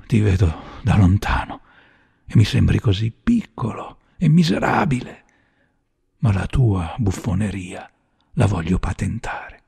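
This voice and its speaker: A man voicing a bitter, desperate young man who speaks with grim scorn that rises into a rant, in a gravelly, husky voice. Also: on the low side, a little mellow, full character voice.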